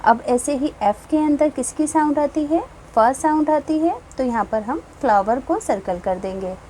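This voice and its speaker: A woman teacher slowly explaining a children's English textbook, reading each line and giving its meaning. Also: high-pitched, warm tone, a little hiss or hum, poor audio.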